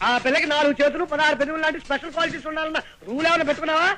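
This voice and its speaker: An actor playing a joking young student who teases his friend in rapid banter, on an old film soundtrack with music behind. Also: extremely high pitch, level tone, pushed and bright. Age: young adult.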